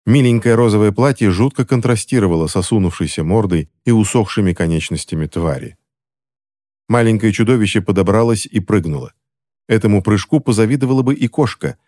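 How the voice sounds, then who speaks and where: Low-voiced male audiobook narrator. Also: animated, brisk, dark tone.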